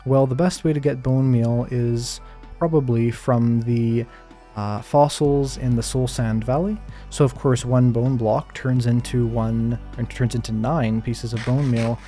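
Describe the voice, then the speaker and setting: A man giving calm, soft-spoken live gameplay commentary while answering chat questions, with plenty of hedges and fillers. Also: mid-range voice, a little slow, faint music behind. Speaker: Minecraft streamer.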